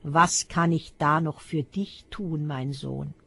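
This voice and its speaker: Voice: medium pitch, steady tone, slow pace, creaky, pushed and bright, husky, exaggerated voice. A reader voicing an old blind father, shaken and grave, speaking in a solemn, reciting way.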